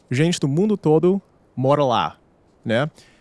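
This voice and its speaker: With an English accent and lively intonation, a man speaks fairly slowly at a fairly high pitch, recorded very cleanly with a silent background and a dry, close sound with no echo. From New York City, US. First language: English (speaking Portuguese). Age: 30s. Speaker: chef and restaurateur. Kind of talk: interview. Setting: studio.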